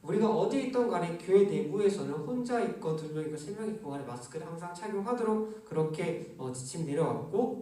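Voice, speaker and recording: A man in his thirties giving a gentle, conversational sermon through a face mask, pausing often, alone in a large church office. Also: high-pitched. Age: 30s. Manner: gentle, conversational preaching with frequent pauses. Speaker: youth pastor. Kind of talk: livestreamed sermon. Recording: very echoey room, mic at a distance.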